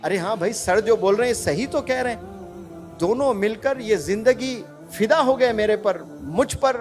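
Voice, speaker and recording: Guy doing the inner voice of a young daughter, earnest and sorry, higher voice, soft music behind. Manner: earnest self-reproach. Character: remorseful young daughter reflecting on her parents.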